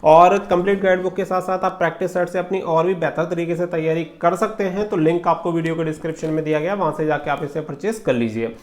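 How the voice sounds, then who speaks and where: A man's voice: on the high side, fast, hardly any pauses. A man giving informal exam guidance as a channel host, explaining and repeating points with English terms mixed in. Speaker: exam preparation coach and YouTube channel host.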